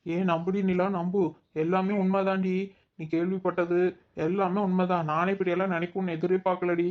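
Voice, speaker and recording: Brief: a performer doing a fast-talking, whiny young village daughter-in-law, mid-pitched, on a dull lo-fi track. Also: level tone, lightly acted. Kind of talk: cartoon voice acting. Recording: dull lo-fi recording.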